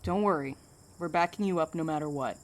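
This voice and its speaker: Audio drama role, female actor: pragmatic, protective woman, dry delivery, somewhat low register. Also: a little fast, natural voice. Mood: steady, reassuring. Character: steady, pragmatic, protective woman, wryly skeptical. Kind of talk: naturalistic audio drama acting.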